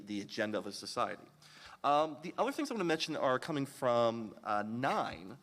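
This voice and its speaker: Guy presenting on a con panel, voice bouncing up and down, big hall reverb. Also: mid-range voice. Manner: lively lecturing, with frequent fillers and restarts. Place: convention panel room.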